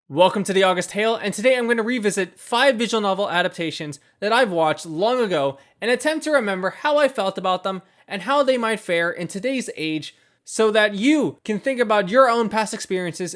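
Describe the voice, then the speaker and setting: Man, high voice, scripted video essay narration, measured and reflective delivery, music behind. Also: fairly bright tone. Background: background music.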